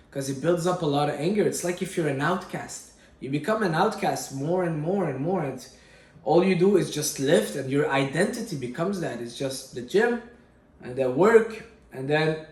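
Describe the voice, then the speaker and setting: A man's voice: fairly high pitch, roomy sound. A man in his late twenties, from Syria, speaking candidly to camera in a personal vlog, often repeating himself and adding fillers as he searches for words. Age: 20s. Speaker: fitness vlogger. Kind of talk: personal reflective monologue.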